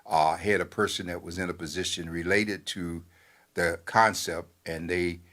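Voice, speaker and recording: An older man, a newspaper editor, giving talk-show commentary in a measured, halting way with many fillers. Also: low-pitched, fairly even intonation, fairly bright tone.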